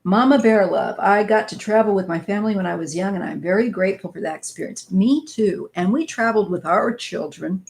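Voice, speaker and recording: Brisk and creaky, with few pauses, a medium-pitched, darkish voice belongs to a woman in her fifties from northwest Missouri. She runs a tarot channel, reading the live chat in a rambling, chatty, casual stream and referring to viewers as "you guys."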